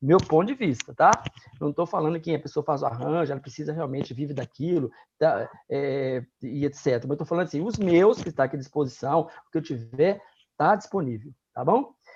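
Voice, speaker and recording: A man speaks fairly quickly in a fairly high, somewhat breathy voice with ordinary pitch variation. The background is quiet. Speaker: church music conductor and teacher. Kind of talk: closing remarks in a live online talk. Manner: fast; halting, many fillers.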